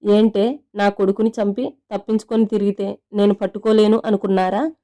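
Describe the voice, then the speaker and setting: A woman reading as an enraged vengeful father in his fifties, threatening, flat delivery, mellow smooth voice. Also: medium pitch, a little fast, natural voice. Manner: threatening, shouting accusations.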